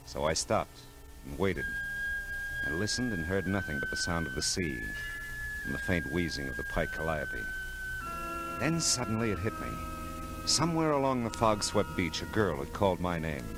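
Cool noir gumshoe, vintage radio drama, lowish voice, laconic and wry over clear music. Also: male voice, big pitch swings, normal speed, poor audio. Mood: brooding narration. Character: cool, wry hard-boiled male private detective. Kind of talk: 1940s radio drama acting and noir narration. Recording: old radio recording, music behind.

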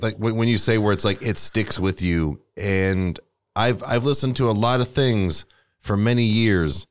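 A young man with a fairly low voice co-hosts a casual podcast. He talks haltingly and keeps searching for the right word, with an easy swear thrown in here and there. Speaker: podcast co-host.

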